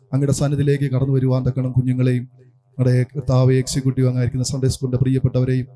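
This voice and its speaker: A pastor leading a public prayer in a rapid, steady delivery, often repeating "Lord". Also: male voice, mid-range voice, slight background noise. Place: church hall, indoors.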